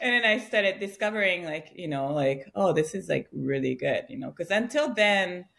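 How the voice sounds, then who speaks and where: A woman speaks with a Japanese accent. Her intonation is lively. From Japan (Tokyo). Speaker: yoga studio founder. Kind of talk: interview conversation. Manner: halting, many fillers.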